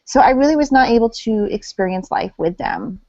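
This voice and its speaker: A woman in her thirties, upbeat and energetic, introducing herself on a video call. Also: on the high side, brisk. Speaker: guest on a video hangout. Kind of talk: casual self-introduction. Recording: dull lo-fi video call audio.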